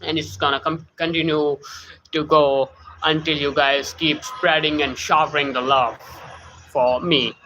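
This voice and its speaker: A man with a South Asian English accent, hosting a casual live stream, halting with many fillers while he greets viewers by name. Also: on the high side, steady tone, pushed and bright, slight background noise, rough recording. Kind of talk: casual live-stream talk, reading chat. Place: home room.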